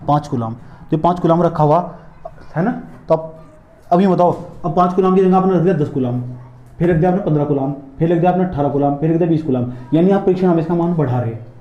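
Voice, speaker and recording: A man's voice: on the high side, fast, echoey room, dull audio. A man teaching physics in a classroom lecture, repeating points and drilling his students with questions and answers.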